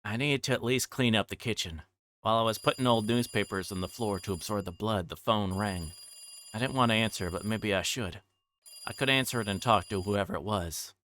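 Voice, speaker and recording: A man livestreaming a game, talking casually and haltingly as he thinks aloud and reads along. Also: fairly low pitch, fairly bright tone, slight background noise.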